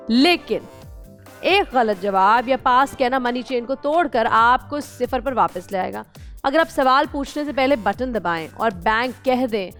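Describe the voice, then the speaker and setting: A woman hosts a studio quiz show, setting out the rules and firing questions at contestants. Her voice sits high, and her delivery stays clear, measured and formal. Soft music hums faintly behind her. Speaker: game show host. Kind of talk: game show hosting, explaining rules and asking quiz questions. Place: television studio.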